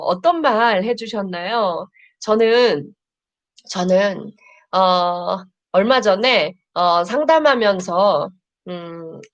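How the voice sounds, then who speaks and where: A middle-aged woman counselor giving a live-streamed lecture to viewers, warmly reading their chat messages aloud. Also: mid-range voice, dull audio.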